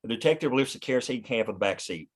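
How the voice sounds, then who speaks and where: Man reading screenplay directions, medium pitch. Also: animated, quick pace, slightly rough. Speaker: stage-direction narrator. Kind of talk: scripted narration, screenplay table read.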